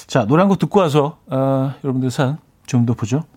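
A man hosting a radio talk show, reading listener stories and introducing songs in a calm way. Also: mid-range voice, fairly quick. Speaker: radio host.

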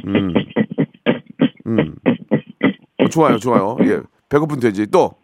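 A man hosting a live radio call-in show, with brisk, teasing, upbeat patter. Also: on the low side, lively intonation, a little mellow, no room sound, studio quality. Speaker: radio host. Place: radio studio.

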